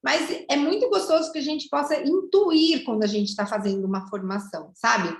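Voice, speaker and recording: A Brazilian woman teaching teachers over a video call, chatty and lively, asking the group questions. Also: high voice, normal speed, reverberant. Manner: warm, lively and chatty, with many "né?" asides. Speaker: teacher trainer. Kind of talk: online teacher training lesson.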